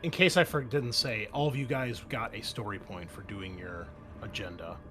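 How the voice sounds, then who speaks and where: A man's voice: on the low side, moderate pace, sharp tone, faint music behind. A man running a tabletop game as game master, improvising narration in an informal way.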